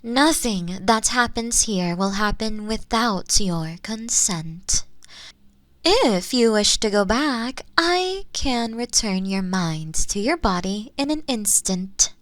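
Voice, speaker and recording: A gentle, ageless female spirit, played by a woman, speaks in a comforting audio roleplay. Her delivery is very slow and deliberate, with formal, soothing phrasing that softens into breathy near-whispers. The pitch sits in a middle female range, and the sound is dry and free of room echo. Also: animated. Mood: sincere, gentle.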